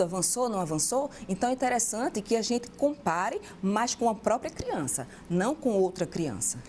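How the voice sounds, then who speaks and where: A woman talks at a fairly quick pace in a northeastern Brazilian accent, her fairly high pitch swinging very widely. Noticeable background noise runs behind her. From Brazil, Pernambuco (Jaboatão dos Guararapes). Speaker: educational psychologist. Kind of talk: TV interview. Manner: hesitant fillers.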